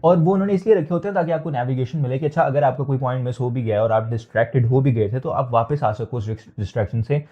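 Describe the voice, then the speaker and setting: A man's voice: mid-range voice, fast, few pauses. A young man giving IELTS listening tips as an instructor in a casual lecture, explaining at length and slipping English phrases into his talk. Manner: explanatory, mixes English phrases, frequent fillers. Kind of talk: casual Hindustani lecture with English code-switching. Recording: slightly dull lo-fi audio.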